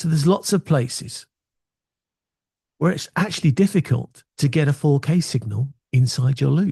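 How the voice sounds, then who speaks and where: A man's fairly high-pitched, somewhat breathy voice with a dark, mellow tone, long, frequent pauses, and a dry, close sound with no echo. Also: ordinary pitch variation, moderate pace. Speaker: AV technology channel host. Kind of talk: casual tech commentary. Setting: small home studio. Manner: briefly whispering as a joke.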